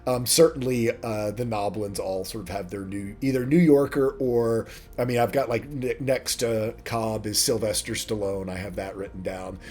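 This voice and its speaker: A man's voice: on the low side, steady tone, normal speed, hardly any pauses, darkish tone. Game master guy rambling, lots of ums and uhs, laughing at himself. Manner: rambling, self-deprecating, many fillers. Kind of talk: casual cast chat about a tabletop game.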